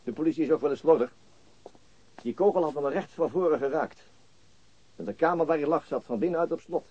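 An actor playing a calm, shrewd police detective in a radio crime drama, questioning in a measured, matter-of-fact way. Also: male voice, a little high, husky. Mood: explaining, wry. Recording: dull, lo-fi radio recording.

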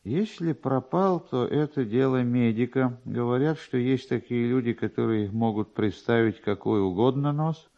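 A man voicing an officious, pedantic, slow-witted male newspaper clerk in a dramatised literary reading, drawing his words out. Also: mid-range voice, warm tone, lightly acted. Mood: officious, reluctant. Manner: deliberate, drawn-out, pedantic. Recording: dull, lo-fi archive radio recording.

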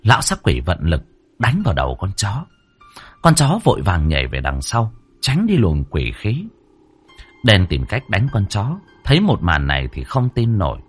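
A man narrating a scripted story with dramatic, expressive delivery. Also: on the low side, normal speed, husky, faint music behind.

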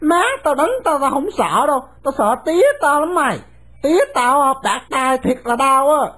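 A woman's voice: sits high, a bit bright, a little hiss or hum, voice pushed up. A woman voicing a bold, mouthy young boy who talks back without fear. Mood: brash. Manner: brash, mouthy, quick to talk back. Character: bold, cheeky young boy, brash and fearless.

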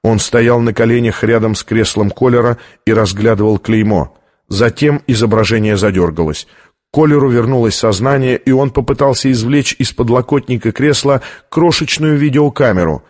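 Guy reading an audiobook, steady even narration, mid pitch. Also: moderate pace. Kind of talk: scripted narration.

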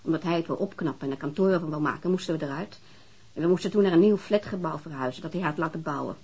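A woman's voice: low voice, fast talker, a little mellow, husky. An actress playing a weary, defensive divorced mother, answering questions hesitantly in a naturalistic radio drama. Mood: defensive, aggrieved.

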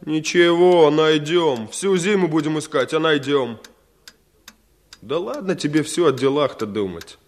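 A man's voice: a little high, a little slow, close to an everyday voice. An actor playing a cheerful, boastful young village man in a radio play. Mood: breezy. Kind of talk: Soviet radio play acting.

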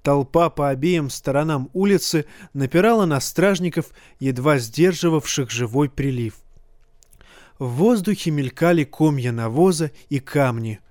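A man reading a fantasy novel aloud in a steady, measured audiobook narration. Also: a little high, no echo, studio quality.

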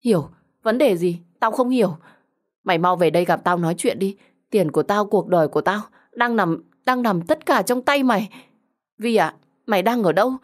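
A desperate young woman, played by a female storyteller, speaks in a slightly low voice for an audio story. She is urgent and agitated, swinging between pleading and furious threats against the friend who wronged her. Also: animated, brisk. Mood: agitated, confused.

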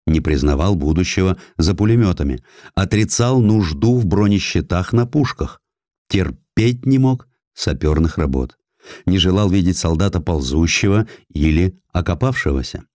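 A man reading a historical essay as an audiobook narrator, measured and declamatory, with deliberate pauses. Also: sits low, expressive, a little mellow, no echo, clean studio sound.

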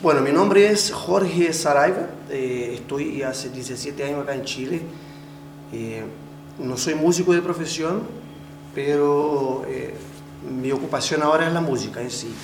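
A man's voice: fairly high pitch, measured pace, echoey room, noisy background. A man in his forties from Brazil, speaking Spanish as a second language with a Portuguese accent, answering interview questions hesitantly with frequent restarts. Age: 40s. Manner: hesitant, many restarts, laughs while telling stories. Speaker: interviewee, samba percussionist.

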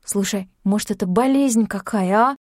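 A woman voicing a distraught, tearful young woman who wails and sobs between excited outbursts. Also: medium pitch, normal speed, no echo, studio quality, lightly acted. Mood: agitated. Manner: wailing, sobbing outbursts.

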